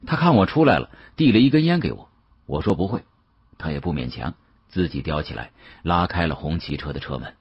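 A man narrating an audiobook as dramatic first-person storytelling, expressive and theatrical, with colloquial asides. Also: deep voice, fairly quick, husky, no room sound, muffled recording.

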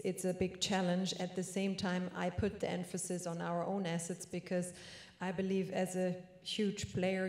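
A woman executive answers on a panel in a low, even voice with little rise and fall. Her tone is dark and relaxed, and she talks directly with many restarts. The room adds a roomy echo. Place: conference stage. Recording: roomy hall sound.

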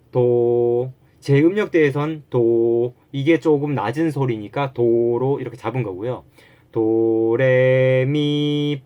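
A man gives a pronunciation lesson in a fairly high, very animated voice that rises and falls freely. He explains patiently, then sings scale notes and sustained syllables to demonstrate each tone. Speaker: Chinese pronunciation teacher. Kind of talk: spoken lesson with sung demonstrations.

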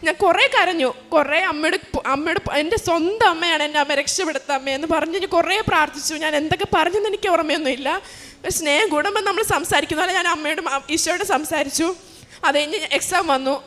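High-voiced young woman in an echoing hall. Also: quick pace, fairly bright tone. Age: young adult. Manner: earnest, emotional storytelling. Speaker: nursing student giving a testimony. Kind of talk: personal religious testimony. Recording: long hall reverb.

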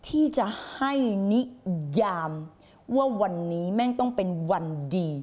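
A woman life coach hosts a late-night motivational live stream, fiery and intense as she reads viewer comments aloud and answers them bluntly and crudely, using heavy slang. Her voice is a little high, expressive and slightly mellow, at a measured pace.

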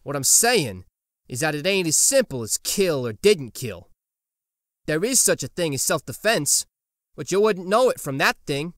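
A man's voice: on the high side, big pitch swings, moderate pace, a bit bright, dry recording, studio quality. A man playing a streetwise, sardonic teenage boy in a colloquial audio drama style. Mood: dry, defensive. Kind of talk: casual, colloquial fan audio drama acting.

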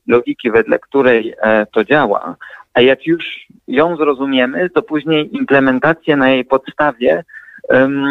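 A man's voice: medium pitch, vocal fry, no room sound. A man being interviewed as a guest analyst, explaining his views hesitantly with many fillers and restarts. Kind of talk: radio interview over the phone. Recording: dry tinny phone line.

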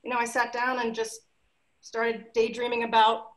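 A woman in her forties, a playwright, telling a heartfelt story softly over a video call from home. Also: on the high side, monotone, moderate pace. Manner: heartfelt, soft, trailing off, emotional. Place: home living room.

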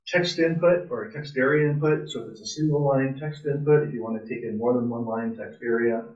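A man with a mid-pitched voice walks through code live in a casual, enthusiastic way, thinking aloud as he goes. He sounds some way from the microphone in a roomy, echoing space. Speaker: presenter at a robotics club meetup. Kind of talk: informal live coding tutorial. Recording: distant, roomy, muffled meeting-room sound.

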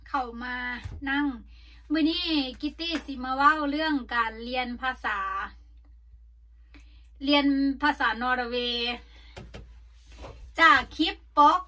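Isan-accented woman vlogger, middle-aged, high and bright, rambling casual chat from a sauna with coughs. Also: slow pace, pauses often. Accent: Isan Thai. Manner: chatty, rambling with frequent coughs.

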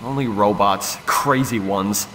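An actor playing a bewildered, panicky ordinary man in a video game, speaking urgently and haltingly in disbelief. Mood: confused, wary. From Toronto, Canada. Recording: loud rumbling machinery noise behind.

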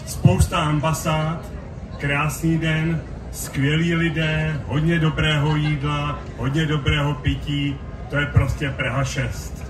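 Older man, higher voice, short phrases. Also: level tone. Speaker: politician. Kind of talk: brief welcoming speech. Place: open-air covered festival stage. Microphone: stand mic through PA, recorded from audience. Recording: noisy, echoey stage PA from far off.

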